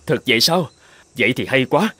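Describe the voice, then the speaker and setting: A man's voice: medium pitch, expressive, fairly quick, fairly bright tone, husky. A man playing a scheming runaway tribal chieftain in a dubbed fairy-tale cartoon, with dramatic storybook delivery. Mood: pleased.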